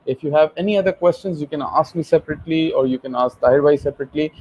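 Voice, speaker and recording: A man's voice: fairly high pitch, very fast, a little mellow, slight background noise. Pakistani accent guy hosting an online session, explains n rephrases, kinda dull lofi call audio. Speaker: host, HR professional. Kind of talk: informal live session hosting.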